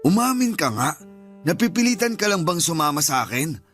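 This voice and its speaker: Man voicing a scheming fake-healer uncle, high-pitched, curt and scolding, soft music underneath. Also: sing-song, moderate pace. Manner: scolding, dismissive. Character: scheming uncle selling fake herbal cures. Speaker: uncle in a radio drama. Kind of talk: radio drama acting.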